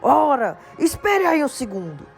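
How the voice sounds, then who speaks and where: A woman voicing a huge, gruff half-giant man who bellows in slow, emphatic outbursts. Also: sits high, sing-song, faint music behind, pitched above the performer's own voice, full character voice. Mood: indignant.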